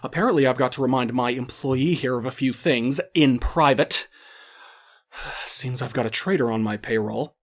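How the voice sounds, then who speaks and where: A man's voice: mid-range voice, normal speed, lightly acted. Man playing a smug, menacing loan shark boss. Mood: threatening, angry. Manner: mock-courteous and condescending, erupting into menacing outbursts. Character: menacing male loan shark crime boss, smugly cruel and theatrical. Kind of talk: dramatic audio drama acting.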